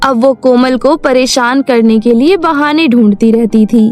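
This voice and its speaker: A woman with a high voice narrates a bedtime cartoon story in a scripted, even way. Her telling is clear and steady. Soft music plays quietly behind her. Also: measured pace.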